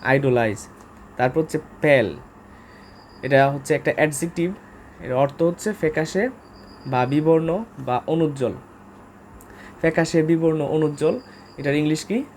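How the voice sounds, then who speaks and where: A man's voice: fairly high pitch, normal speed, long pauses, a little mellow, a little hiss or hum. A man with a Bangladeshi accent giving a casual vocabulary lesson, talking informally with frequent filler sounds and spelling words out letter by letter. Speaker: English vocabulary teacher.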